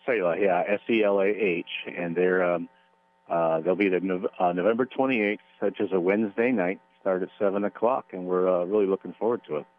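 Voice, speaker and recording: A man, a concert promoter guesting on a radio show, speaking in an earnest, measured way. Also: low-pitched. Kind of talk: casual radio interview. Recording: tinny phone-like radio audio with hum.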